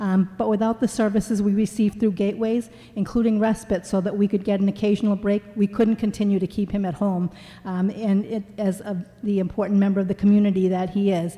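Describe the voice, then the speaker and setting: At a fairly quick pace, a woman talks with monotone, flat intonation. Her tone is dark and mellow, and somewhat breathy. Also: medium pitch for a woman. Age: 60s. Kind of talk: public testimony.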